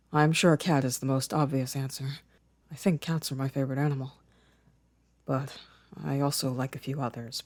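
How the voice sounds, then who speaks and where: A young man playing a gentle, shy, affectionate boyfriend in an ASMR roleplay, speaking softly and hesitantly with careful phrasing. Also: mid-range voice, no room sound, natural voice.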